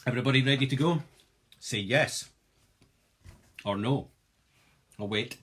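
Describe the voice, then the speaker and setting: A man's voice: mid-range voice, a little slow, heavy background noise. A young Glaswegian man hosting a live-streamed jewellery workshop, demonstrating and joking with viewers in a chatty, self-mocking way. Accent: Glaswegian Scottish.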